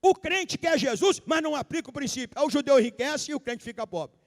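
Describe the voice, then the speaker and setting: A pastor preaching a sermon at a live service, emphatic and repetitive, calling out to the congregation. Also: male voice, very high-pitched, lively intonation, fairly quick. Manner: emphatic preaching, repeats key lines, calls out to the congregation. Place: large church sanctuary, live service. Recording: long hall reverb of a church.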